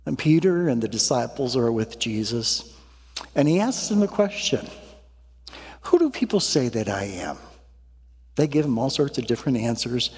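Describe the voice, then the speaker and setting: A male pastor tells a folksy, chuckling story from the pulpit to open his sermon. His voice sits in a middle pitch and carries a long reverb from the church hall around him. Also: a little mellow.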